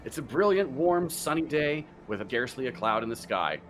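A man's voice: medium pitch, expressive, moderate pace, fairly bright tone, slight background noise. A man narrating a sci-fi tabletop game as game master, setting scenes vividly in the second person. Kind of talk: tabletop role-play narration.

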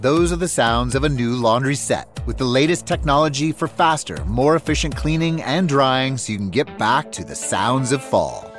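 A man's voice: medium pitch, animated, moderate pace, few pauses, faint music behind. A man reading a scripted retail commercial as an advertising voice-over.

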